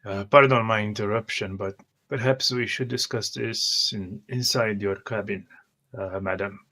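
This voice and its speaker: Low-voiced, formal male roleplayer. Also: steady tone, measured pace, pushed and bright. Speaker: tabletop game player. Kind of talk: first-person roleplay, formal and polite.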